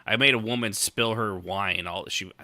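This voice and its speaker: An American man hosts a casual podcast in a fairly low voice with a very sharp, forceful edge. He jokes wryly and swears offhandedly. The sound is dry and free of room echo. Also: normal speed. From United States. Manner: wry, joking, swears casually. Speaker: podcast host. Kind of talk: casual comedic podcast chat.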